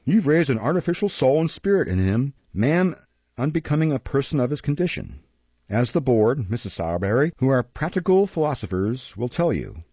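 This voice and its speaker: A man's voice: mid-range voice, big pitch swings, normal speed, mellow, slightly rough, dry recording, muffled recording, pitched above the performer's own voice. A man voicing a pompous, stern parish beadle in an audiobook, declaiming emphatically. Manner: declamatory, emphatic, deferential "ma'am".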